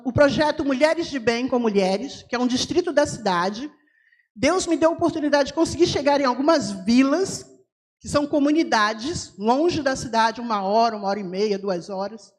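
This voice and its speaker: A woman missionary speaking in a church service, telling her story with lively voice imitations. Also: high-pitched, moderate pace. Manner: animated storyteller, mimics voices of locals. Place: church sanctuary.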